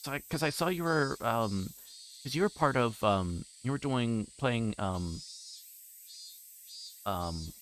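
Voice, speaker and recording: A man hosting a livestream, chatting casually in a halting, rambling way and often repeating words as he plays a game. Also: mid-range voice, expressive, a bit bright, a little hiss or hum. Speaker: livestream host. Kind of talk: casual livestream chat while playing a visual novel.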